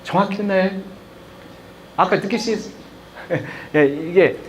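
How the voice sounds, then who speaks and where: A man's voice: high-pitched, slight background noise. A man giving a live lecture on communication, asking the audience questions and acting out example sentences. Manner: lively, questions the audience, acts out example lines.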